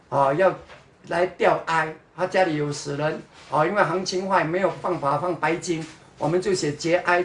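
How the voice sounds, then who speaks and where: In an echoey room, a high-voiced man from Singapore taunts the people watching his livestream. He speaks Singaporean-accented Mandarin peppered with Hokkien, switching into Hokkien and English as he sarcastically mocks them.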